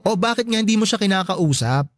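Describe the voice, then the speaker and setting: Campy, sassy gay best friend. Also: male voice, sits high, animated, no echo. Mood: blunt, encouraging. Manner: campy, teasing, drawn-out emphatic words. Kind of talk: Tagalog radio drama acting.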